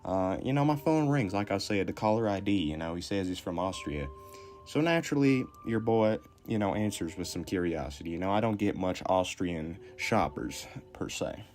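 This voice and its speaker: A man's voice: low voice, expressive, moderate pace, darkish tone, soft background music. A man playing a folksy Southern arms dealer with a Southern US accent, rambling through a comic tall tale. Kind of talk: comic in-character audio message.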